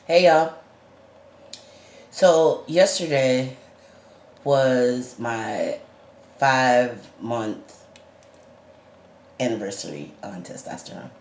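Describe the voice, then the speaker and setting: A man's voice: medium pitch, drawn-out words, long pauses, reverberant, a little hiss or hum. A trans man vlogging in casual chat. He uses a lot of fillers and laughs often, and his voice is going up and down and sometimes cracks.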